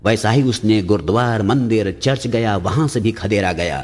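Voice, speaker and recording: A comedian with a Surinamese Hindustani accent, telling jokes in plain storytelling narration. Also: male voice, fairly low pitch, moderate pace, darkish tone. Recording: long hall reverb.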